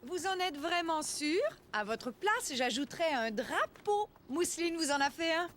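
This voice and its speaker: Bright-spirited, high-pitched cartoon mom. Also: female voice, unhurried, very noisy. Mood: encouraging. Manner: animated, encouraging. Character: gentle, imaginative, playful young mother in a cartoon. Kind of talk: French-language children's cartoon voice acting. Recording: music behind the voice.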